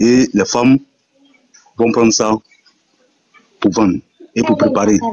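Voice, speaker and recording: A man talks at a moderate pace with long, frequent pauses. His loudness is very even, in a dry, close sound with no echo. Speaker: debate participant. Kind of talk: heated debate. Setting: online live stream. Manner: animated.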